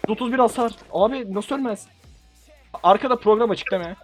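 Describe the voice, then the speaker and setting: Playful high-voiced young man gaming. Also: normal speed, soft background music. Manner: playful, teasing, bursts of laughing shouts. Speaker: gaming YouTuber. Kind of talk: excited gameplay commentary.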